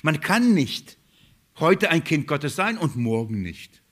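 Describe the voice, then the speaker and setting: A man's voice: a little high, sing-song, slow pace, breathy edge. A man preaching a sermon, emphatic and direct, asking rhetorical questions and calling his listeners beloved. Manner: emphatic, rhetorical questions, swings between loud stresses and quiet drops. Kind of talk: sermon on a Bible letter.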